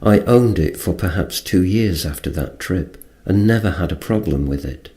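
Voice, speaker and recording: Very deep, mellow male narrator. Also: animated, normal speed, soft background music. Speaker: reader of a first-person account. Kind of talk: scripted audiobook-style narration.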